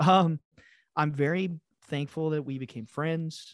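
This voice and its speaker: A man speaks in an unremarkable speaking voice with a fairly high pitch. His intonation is fairly even, and the background is quiet. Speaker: podcast host. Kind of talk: casual chat.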